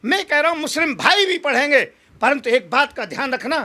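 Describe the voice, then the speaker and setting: A man's voice: very high-pitched, lively intonation, brisk, sharp tone. A man giving an impassioned political interview, speaking in combative, emphatic oratory full of rhetorical challenges.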